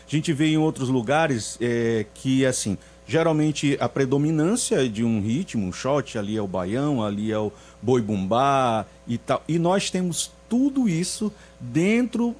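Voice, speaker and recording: A man's voice: mid-range voice, animated, a little slow, few pauses, darkish tone, slightly rough. Reflective man from being interviewed. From São Luís, Maranhão, Brazil. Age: around 50. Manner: reflective, hesitant, many restarts. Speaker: singer guest. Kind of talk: radio interview.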